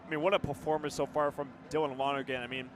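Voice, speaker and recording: A man giving live radio football analysis in a halting, conversational way, often restarting his phrases. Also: a little high, little pitch movement, background noise. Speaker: color commentator.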